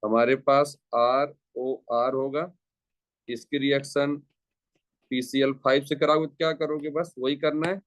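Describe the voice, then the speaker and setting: Speaking at a measured pace with little pitch movement, a medium-pitched man lectures on chemistry in a classroom, and there's no echo. Each step gets explained, often with repeated phrases and rhetorical questions.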